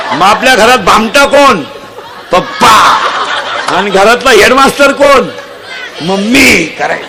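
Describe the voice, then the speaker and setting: High bright village preacher guy, loud and teasing, crowd murmuring behind. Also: noisy background. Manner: loud, quizzing children in the crowd, mocking. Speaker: kirtan preacher. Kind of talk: humorous devotional sermon.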